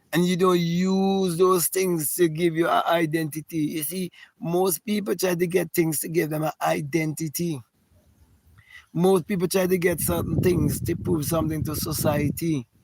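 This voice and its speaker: A man with a Caribbean accent speaks with high pitch and fairly even intonation. The sound is dry and close, without echo. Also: moderate pace. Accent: Caribbean accent, close to Jamaican. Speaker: spiritual teacher. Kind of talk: livestream teaching. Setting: livestream.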